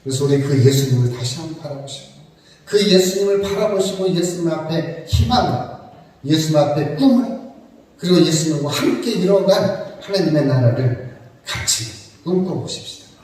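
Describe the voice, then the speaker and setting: A pastor with a fairly high, expressive, slightly mellow voice preaches at normal speed in a church sanctuary, addressing the congregation conversationally with joking asides and rhetorical questions. The recording is echoey and distant, with slight background noise.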